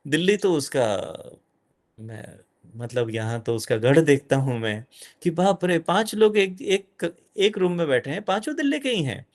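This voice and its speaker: A middle-aged man giving an animated lecture to an audience as a guest speaker, dropping in English phrases. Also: fairly high pitch, unhurried.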